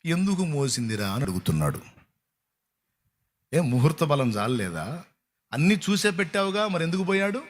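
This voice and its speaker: A man's voice: fairly high pitch, very animated. Preaching man firing rhetorical questions. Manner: rhetorical questions, chants verses slowly. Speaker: pastor. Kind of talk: sermon. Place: church hall at an all-night prayer.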